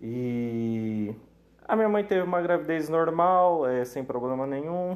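Delivered at a fairly slow pace with ordinary pitch variation, this is a plain, everyday voice. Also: man. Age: 20s. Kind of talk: casual chat.

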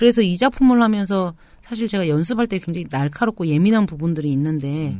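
Her medium-pitched voice moves at a moderate pace, and the woman's pitch swings very widely. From South Korea, Seoul. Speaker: stage actress. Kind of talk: casual interview. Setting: studio. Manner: animated; energetic.

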